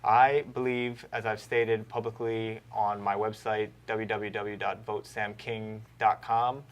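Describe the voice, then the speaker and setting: Slow, deliberate man in his thirties. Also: lowish voice, little pitch movement. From Hawaii. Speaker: political candidate. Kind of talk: formal candidate introduction. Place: TV studio.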